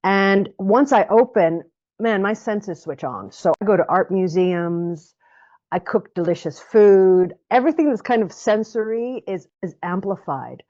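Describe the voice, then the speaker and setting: A woman speaking as an interview guest, reflective and expressive, often repeating words as she thinks. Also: mid-range voice, unhurried. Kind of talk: interview conversation. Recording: muffled lo-fi recording.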